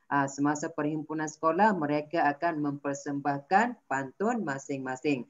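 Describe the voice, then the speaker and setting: Malaysian woman teacher, low voice, patient and coaxing, online class on a dull call line. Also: normal speed. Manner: patient, coaxing, prompts and corrects pupils. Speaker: primary school teacher.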